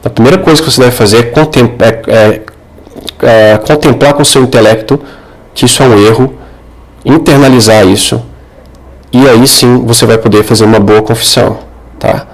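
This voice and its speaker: A Brazilian man speaks in an informal religious advice monologue, his voice at an average male pitch. He is earnest and didactic, addressing the listener directly and seeking agreement with short tag questions. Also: steady tone, normal speed. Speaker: Catholic advice video creator.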